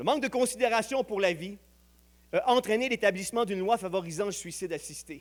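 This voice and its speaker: Loud and at a fairly quick pace, a man talks with a high pitch and ordinary pitch variation on a very clean recording with a silent background. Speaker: pro-life activist. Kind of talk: church announcement talk. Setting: church with congregation.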